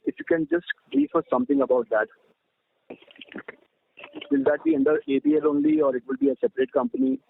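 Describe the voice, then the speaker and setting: A man with an Indian accent asking questions as an investor on an earnings call, polite and halting, over a phone line. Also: extremely high pitch, huge pitch swings, creaky, slight background noise.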